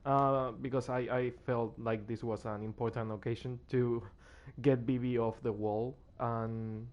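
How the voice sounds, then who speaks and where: A man's voice: mid-range voice, little pitch movement, unhurried, darkish tone, lo-fi sound. A tired man streaming a game, losing his voice and rambling as he plays, with faint music behind him. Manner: rambling, restarts when moved. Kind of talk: casual gameplay commentary.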